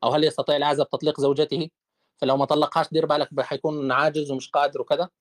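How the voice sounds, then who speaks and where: A man's voice: on the high side, dry recording, studio quality. A man hosting a casual online debate, firing off rhetorical questions. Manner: animated, rapid-fire rhetorical questions.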